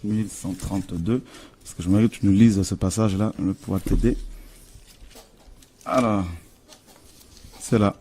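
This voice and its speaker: A man preaching a sermon as pastor, earnest and halting, with frequent fillers and restarts. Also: fairly low pitch, steady tone, warm tone, husky.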